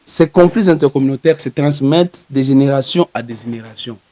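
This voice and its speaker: A man with a Congolese French accent giving a formal, wordy press conference statement as a spokesperson, phrasing things deliberately. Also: mid-range voice, mellow, no room sound. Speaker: spokesperson for a community organisation.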